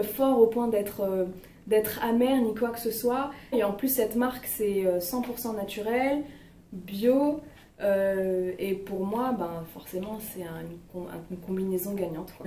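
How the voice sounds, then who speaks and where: A woman's voice: mid-range voice, dark tone. A young woman chatting casually about her favorite products, hesitant with lots of fillers, recorded at home. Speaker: beauty vlogger. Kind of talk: casual product review chat. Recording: roomy, distant mic, faint noise.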